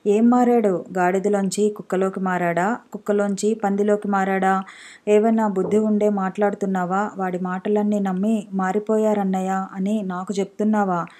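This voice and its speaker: Brief: a woman playing a shouting, hot-tempered young brother in an audiobook, warm low-bright tone, pitched a bit higher in rage. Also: level tone, moderate pace, lightly acted. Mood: angry. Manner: shouting, scornful insults. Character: angry protective older brother, young man, hot-tempered.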